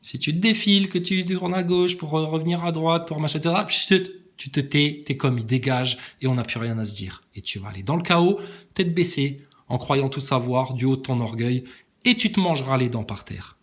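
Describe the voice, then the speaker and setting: A man's voice: on the high side, moderate pace, fairly bright tone. A man giving a sarcastic, emphatic monologue to camera, challenging his critics. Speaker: online video maker answering critics.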